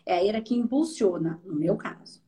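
Speaking a little fast in a medium-pitched voice, this Brazilian-accented energy therapist chats casually with a student she mentors. Her explanations are animated, and she keeps checking that her point comes across.

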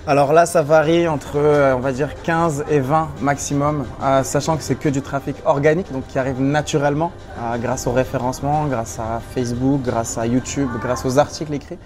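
A man's voice: mid-range voice, steady tone, normal speed, hardly any pauses. A young man from Morocco, guest in a casual interview at a seminar, answering in a hesitant, easygoing way with many fillers. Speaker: guest blogger. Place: seminar venue.

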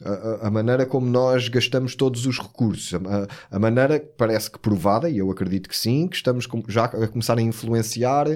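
A man with a European Portuguese accent talking casually, in a halting, reflective and slangy way. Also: mid-range voice, darkish tone. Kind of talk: casual conversation.

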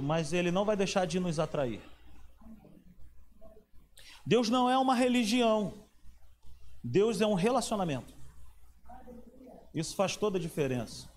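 High-voiced man preaching. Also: darkish tone, a little hiss or hum. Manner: conversational, asks the audience questions. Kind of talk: sermon.

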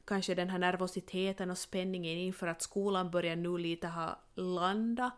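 A woman co-hosting a casual podcast, giving parenting advice calmly and reassuringly, with frequent affirming murmurs. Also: on the low side, smooth.

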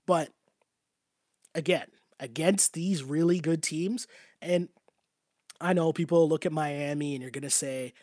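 A man's voice: on the high side, unhurried, pauses often, a little mellow, no echo, studio quality. A man losing his voice, hosting a casual basketball talk show and answering his live chat in a chatty way, often tagging his points with "right?". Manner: conversational, repetitive, often asks "right?".

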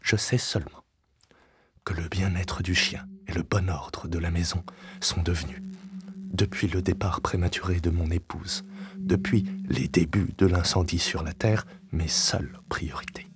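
A man performs a dramatic monologue of literary audio fiction as a deep, brooding widower, obsessive, vengeful and grandiloquent, haunted by his lost wife. He sounds solemn and grieving, speaking deliberately with fairly even intonation and often sinking into breathy whispers. It is a binaural recording with music.

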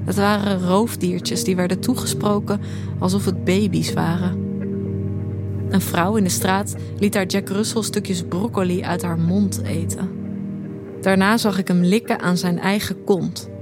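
An actress as an introspective woman narrating a radio play over clearly audible music. Her delivery is deadpan and reflective, keeping an emotional distance from what she tells. Her pitch sits in the middle for a woman. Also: close to an everyday voice. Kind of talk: scripted first-person audio drama narration.

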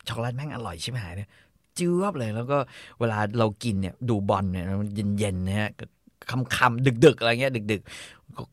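Relaxed man with coarse casual talk. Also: medium pitch, moderate pace, no room sound, studio quality. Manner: relaxed, rambling, coarse slang. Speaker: co-host. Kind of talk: casual chat.

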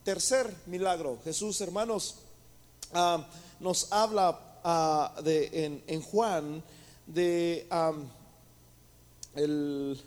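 A man's voice: on the high side, fairly even intonation, very slow, pauses often, a little mellow. A man preaching a sermon, rising to emphatic peaks and calling his listeners brothers. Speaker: pastor.

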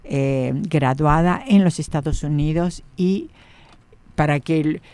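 A woman's voice: sits low, slow pace, darkish tone, clear, resonant tone, dry recording. A woman psychologist talking as a radio guest in a studio, rambling with restarts. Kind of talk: radio interview.

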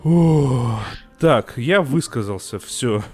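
A young man talks through TV series on a casual podcast, getting worked up and tripping over his words with restarts and filler sounds. His voice sits at an ordinary pitch for a man, with faint music underneath. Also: lively intonation, takes it slowly, darkish tone, slightly rough. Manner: hesitant and emotional, with frequent restarts and filler sounds. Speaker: podcast co-host reviewing TV series.

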